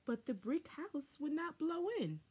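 A woman in her thirties reading a children's story aloud dramatically, with pauses and emphasis. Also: high-pitched, very animated, darkish tone. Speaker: storybook reader. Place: small furnished room at home, indoors.

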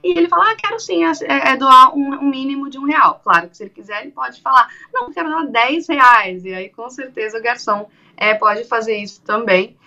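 A woman's voice: sits high, a little fast, creaky, few pauses. A woman in her thirties, an event organizer, speaking animatedly on a video call during an interview. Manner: animated, acts out quoted dialogue. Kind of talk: remote interview on radio-TV news show. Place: small room indoors. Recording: dull lo-fi video call audio.

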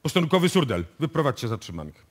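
Shrewd, animated police inspector. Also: male voice, mid-range voice. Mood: stern, commanding. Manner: deliberate, explanatory, authoritative. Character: shrewd, self-assured male police inspector unravelling a case. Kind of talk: live radio play acting.

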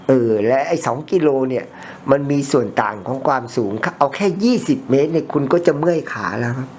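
A man talks while he cleans a customer's ears, telling long stories in a blunt, informal way. His voice sits at an ordinary middle pitch. A faint hiss lies under the recording. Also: darkish tone. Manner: chatty rambling storyteller, blunt informal speech. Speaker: ear cleaner chatting with a customer. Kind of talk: casual chat during ASMR ear cleaning. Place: ear-cleaning session with a customer.

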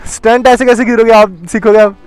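A man motovlogging outdoors by a road, talking excitedly to camera and laughing often. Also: very high voice, a little fast, clear, resonant tone, no room sound, soft background music. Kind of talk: casual outdoor vlog talk to camera.

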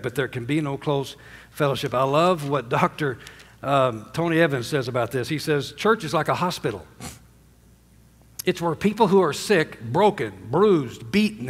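Here an older male pastor preaches emphatically in a large church sanctuary, a drum kit on the stage beside him. He asks the congregation for amens and lets his lines fall from loud to quiet, hushed finishes. Long hall reverb trails every phrase.

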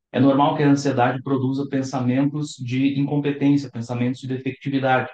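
A young adult Brazilian man, a psychologist, calmly explaining to the camera from his living room sofa. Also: mid-range voice, roomy sound, rough recording. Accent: Brazilian Portuguese. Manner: calm, explanatory, gestures with his hands. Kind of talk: to-camera talk.

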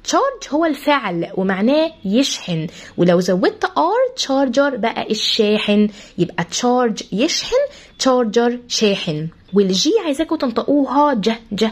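Egyptian woman teaching vocabulary, lively pitch. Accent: Egyptian Arabic. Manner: repeats each word slowly, spells out sounds; addresses pupils as "kids". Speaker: English teacher. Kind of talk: vocabulary lesson for pupils.

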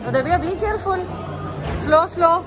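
A woman's voice: extremely high pitch, expressive, drawn-out words. A middle-aged woman chatting to her viewers as she walks through busy expo grounds and into a pavilion, filming on a handheld phone. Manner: chatty, exclaiming, talks to viewers while walking. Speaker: vlogger. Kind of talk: casual walking vlog narration. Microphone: handheld phone camera. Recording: crowd noise and music behind.

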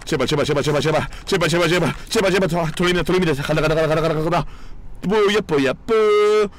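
A young man streaming a video game live, commenting excitedly, swearing often and talking to his viewers. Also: a little high, very fast.

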